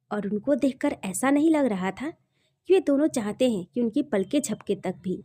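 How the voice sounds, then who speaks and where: A woman storyteller reads a scripted romantic audio drama. Her voice is high and soft-toned, with a mellow edge and very lively, melodic movement in pitch.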